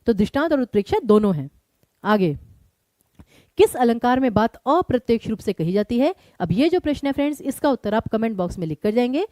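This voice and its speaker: A woman teaching an online exam-prep lesson, quizzing her students and explaining each answer briskly. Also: a little high, very animated, a little mellow, no room sound, studio quality.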